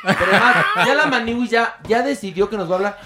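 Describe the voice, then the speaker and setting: A man's voice: high-pitched, quick pace, noisy background. A man co-hosting a podcast, retelling gossip with teasing and laughter. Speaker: podcast co-host. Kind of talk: joking gossip chat.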